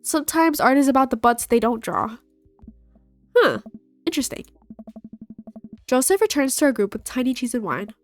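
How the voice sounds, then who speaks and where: With a high-pitched, lively voice at normal speed, a young gaming host congested from a cold reads a dating game aloud, pausing often. She plays all the characters in her own voice, in a playful mood, as faint game music plays behind.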